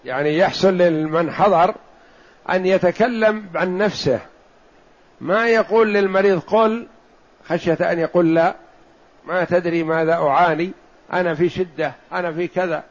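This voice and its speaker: Gravelly high-voiced man teaching. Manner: measured explanatory delivery, slows to stress points. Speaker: Islamic scholar teaching hadith commentary. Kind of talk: religious lesson. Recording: dull lo-fi recording.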